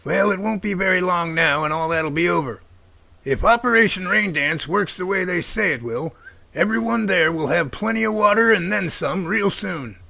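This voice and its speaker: A man's voice: high voice, moderate pace, vocal fry, sharp tone, dry recording, full character voice. A man playing a fatherly older professor in an amateur radio drama, folksy and encouraging.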